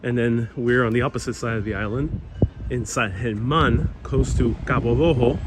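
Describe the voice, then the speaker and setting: A man from Puerto Rico who was raised in New York hosts a relaxed walking tour livestream, chatting with viewers. Spanish is his first language, and he has a Queens Hispanic accent. He speaks at a medium pitch and moderate pace into a phone-mounted mic as he walks along a town street, and the recording is noisy with passing traffic.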